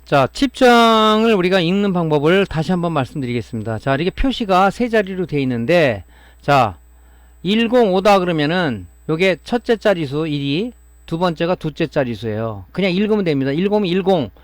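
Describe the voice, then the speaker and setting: A man lecturing on electronics repair, walking through each step and often checking that listeners follow. His voice sits a little high for a man. The sound is dry and close, with no room echo. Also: expressive, normal speed. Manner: explaining step by step, often adding a tag question to check understanding. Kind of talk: classroom-style technical lecture.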